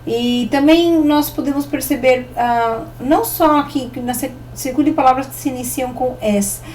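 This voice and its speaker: Woman teacher, somewhat high voice, patient explainer; slightly distant mic, faint hum. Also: darkish tone. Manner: explanatory, slows to sound out example words. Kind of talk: recorded online lesson.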